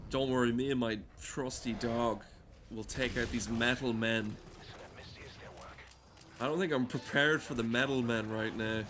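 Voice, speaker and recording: A man's voice: medium pitch, steady tone, a little slow, long pauses. A man giving casual, sweary, joking gameplay commentary, often muttering to himself as he plays. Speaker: gaming video commentator. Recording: noisy background of game sounds. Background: video game ambience.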